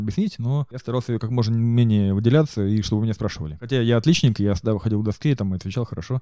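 The voice has a dark, mellow tone with ordinary pitch variation. It moves at a very fast pace. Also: man. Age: 30s. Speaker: podcast co-host. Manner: fast talker.

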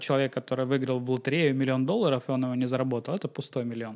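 At a very fast pace, a man speaks at a medium pitch on a very clean recording with a silent background. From Komi Republic, northern Russia. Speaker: extreme sports business owner and father. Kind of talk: casual interview. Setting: outdoor summer veranda at a wakeboard station.

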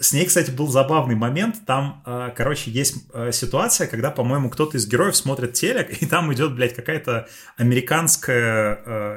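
The pitch varies in an ordinary way at a moderate pace. The voice is somewhat breathy. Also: man. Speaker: comics translator and writer. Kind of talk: casual chat. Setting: remote recording.

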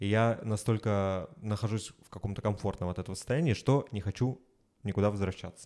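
A man's dark, mellow tone at a fairly quick pace with fairly even intonation. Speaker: podcast host. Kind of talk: casual chat.

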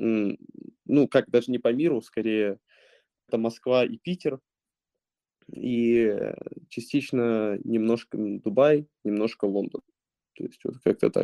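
A man speaks at a very slow pace in a dark, mellow tone, with long, frequent pauses. The sound is dry and close with no echo. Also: medium pitch for a man, ordinary pitch variation. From Russia. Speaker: entrepreneur. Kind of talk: interview.

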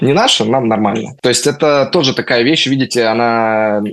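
This man has a plain, everyday voice at a medium pitch. He speaks at a fairly quick pace. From Moscow, Russia. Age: 20s. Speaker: actor. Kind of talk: interview.

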